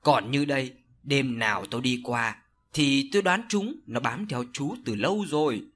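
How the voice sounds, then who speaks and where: A man's voice: medium pitch, animated, fairly bright tone, slight background noise, close to an everyday voice. A man doing a stern old village sorcerer. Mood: grave. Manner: slow, solemn, scolding. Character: older male village sorcerer, stern and grave.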